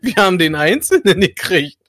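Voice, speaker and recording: A man in casual chat with a co-host, loud and teasing, his voice overdriving the mic into clipping distortion. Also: high voice, very animated, normal speed, no room sound, studio quality. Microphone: close studio mic, overdriven.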